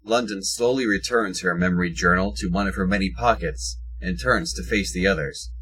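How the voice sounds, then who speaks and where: A man's voice: low-pitched, normal speed, fairly bright tone, slight background noise, poor audio. A man reading scripted narration as the narrator of an audio drama.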